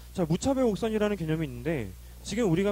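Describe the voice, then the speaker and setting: Talking at a very fast pace, a man uses a high pitch with a dark, mellow tone. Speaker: economics lecturer. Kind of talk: lecture.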